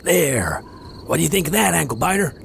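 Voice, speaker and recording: An actor playing a gruff but coaxing guardian of a small child, casual and teasing, in an audio drama. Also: male voice, on the high side, animated, fairly quick. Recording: noisy, with crickets behind.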